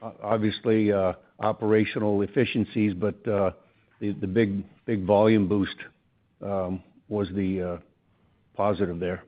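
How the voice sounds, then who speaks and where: A man speaking as a company executive, giving a halting, stop-start answer on an earnings call. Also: lowish voice, flat delivery. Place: conference call. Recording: thin phone-like call audio.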